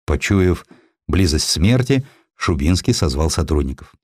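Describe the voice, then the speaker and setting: A man reading historical essays as an audiobook narrator, in an expressive scripted storytelling style. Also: sits low, a little slow, slightly rough, dry recording, clean studio sound. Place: dry recording studio.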